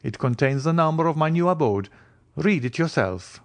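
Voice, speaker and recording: A man's voice: fairly high pitch, expressive, moderate pace, voice pushed up. A mysterious, self-assured count, played by a male audiobook reader, speaks in a raised voice. His phrasing is formal and precise, with the lofty composure of an aristocrat. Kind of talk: audiobook character dialogue.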